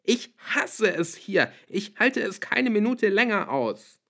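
A man voicing a desperate teenage girl who shouts through tears, in an audiobook reading. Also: high voice, big pitch swings, takes it slowly, creaky, pitched above the performer's own voice, exaggerated voice. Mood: bitter outburst.

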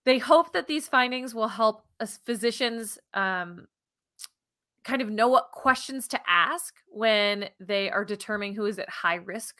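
A woman, co-hosting a science podcast in an animated, informal, emphatic conversational way. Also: a little high, measured pace. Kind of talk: conversational science news presentation. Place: small furnished room at home, indoors. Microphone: video call, wearing headphones.

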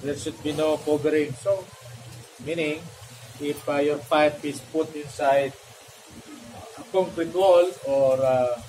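Slow-talking male lecturer. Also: a little high, fairly even intonation, a little mellow, a little hiss or hum, rough recording. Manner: slow, questioning, with many fillers. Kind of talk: classroom lecture on plumbing code. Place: classroom with a whiteboard.

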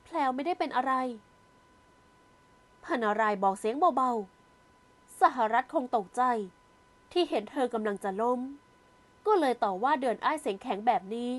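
A woman narrating an audio novel in a steady storytelling manner. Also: fairly high pitch, moderate pace. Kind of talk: scripted narration.

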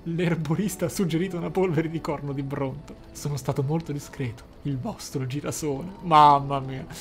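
Expressive man over music. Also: fairly high pitch, normal speed. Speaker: gaming channel host. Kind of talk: reading game lore aloud with off-the-cuff commentary. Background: game music.

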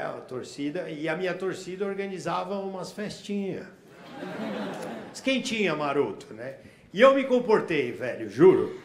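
A Brazilian man doing stand-up, telling a story with slang and curses and acting out the dialogue in other voices. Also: fairly high pitch. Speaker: stand-up comedian. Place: comedy stage before a laughing audience. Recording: echoey live room, audience noise.

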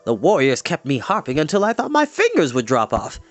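A performer voicing an excitable, indignant male bard in a storybook, speaking in a theatrical, exclamatory way. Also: medium pitch, brisk, soft background music. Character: excitable, dramatic wandering bard, a man, indignant and anxious.

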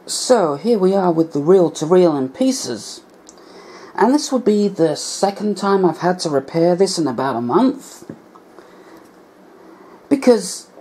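In her indoor home workshop, a vlogger who repairs vintage electronics walks through a hands-on fix step by step, explaining as she goes. Her voice sits on the low side, warm and slightly rough.

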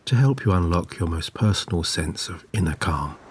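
A man narrating a scripted guided sleep meditation in a soothing, gentle, measured way. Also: low-pitched, animated, noisy background. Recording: clear background ambience of waves. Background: relaxing ocean wave sounds.

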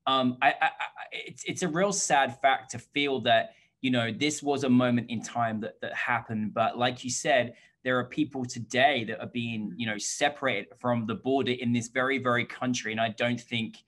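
A man's voice: medium pitch, steady tone, normal speed, hardly any pauses, fairly bright tone. A man in his thirties hosting a casual interview over a video call, effusive and rambling as he frames his questions. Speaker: interview host. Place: indoor room, video call.

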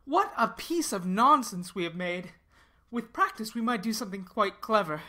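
A woman voicing a playful, teasing, lively teenage boy in an audiobook. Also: medium pitch, moderate pace, pitched above the performer's own voice. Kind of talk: audiobook character dialogue.

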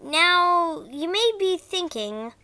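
A woman voicing an upbeat, quirky cartoon cat boy in a squeaky voice, with stumbling, bad amateur acting. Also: expressive, slow, sharp tone, exaggerated voice. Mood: perky, theatrical.

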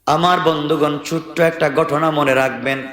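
A man preaching an impassioned Islamic sermon, telling religious stories with acted-out dialogue in a drawn-out, rhetorical way. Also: fairly high pitch, steady tone, fairly bright tone. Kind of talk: sermon with dramatized religious storytelling. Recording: echoey hall with long reverb.

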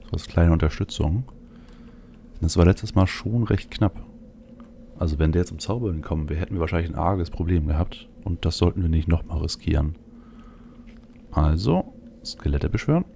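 A male let's play host with a dark, gravelly voice. He comments casually on a game, thinking aloud, with faint game ambience behind him. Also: sits low, expressive, moderate pace, pauses often, slight background noise.

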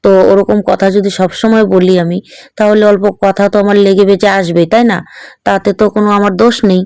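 A woman's voice: medium pitch, steady tone, fast talker, darkish tone, smooth, no echo. A middle-aged woman with a Bangal Bengali accent, chatting through a casual home vlog and often checking in with her viewers. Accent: Bangal (East Bengal) Bengali. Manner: chatty, keeps checking in with tag questions. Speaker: vlogger.

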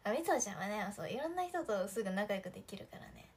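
A woman's voice: medium pitch, big pitch swings, fast talker, darkish tone, slightly rough. A young woman chatting casually on a livestream, giggling often and talking to viewers' comments. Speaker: idol livestream host.

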